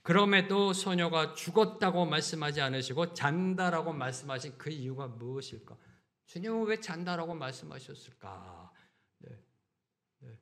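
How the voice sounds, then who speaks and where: A middle-aged male pastor preaching a sermon in a church, full of rhetorical questions and repeated phrases, swinging between loud emphasis and quiet asides. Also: on the high side, animated, moderate pace. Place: church sanctuary.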